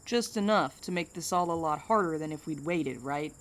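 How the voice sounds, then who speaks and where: Audio drama role, female actor: pragmatic, protective woman, dry delivery, somewhat low register. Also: moderate pace, close to an everyday voice. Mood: steady, reassuring. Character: steady, pragmatic, protective woman, wryly skeptical. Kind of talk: naturalistic audio drama acting.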